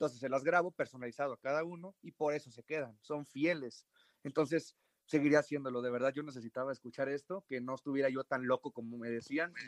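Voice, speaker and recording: Recorded with a dry, close sound and no echo, a man talks at a very fast pace, his fairly high pitch held to fairly even intonation amid big swings in loudness. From Mexico, Guadalajara. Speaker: independent musician, caller. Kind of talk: casual question from caller.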